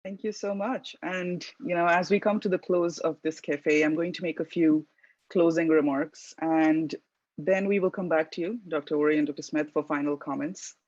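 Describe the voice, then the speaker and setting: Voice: medium pitch, steady tone, normal speed, darkish tone, no echo. A host moderating an online panel, speaking politely and formally with some fillers. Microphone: video call. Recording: dry, dull video call audio.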